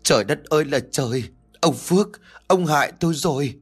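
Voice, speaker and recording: A hysterical middle-aged woman gambler, shrill and wailing, as a male storyteller puts her on. Her voice jumps far above his own and swings wildly, loud and raw. It sits inside a read-aloud folk horror tale. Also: animated, moderate pace, husky, faint music behind.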